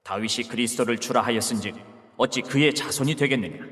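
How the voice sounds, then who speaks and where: Guy playing jesus, calm solemn teacher, slow measured lines, reverby hall sound. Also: medium pitch, natural voice. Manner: measured, solemn archaic delivery. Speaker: voice actor in dramatized Bible reading. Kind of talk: solemn scripted Bible drama.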